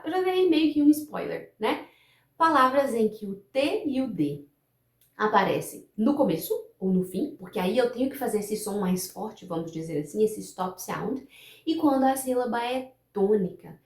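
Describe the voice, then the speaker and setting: Woman English teacher, native Portuguese speaker, mid-pitched, patient and repetitive, roomy echo. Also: a little mellow. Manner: patient, repeats example words slowly for practice. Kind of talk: pronunciation lesson to camera.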